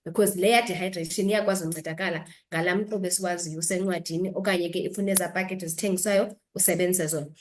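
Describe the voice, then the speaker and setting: A woman's voice: on the low side, steady tone, very fast, few pauses, a little hiss or hum. A woman doctor with a South African accent explaining health advice as an interview guest, instructive and switching between two languages.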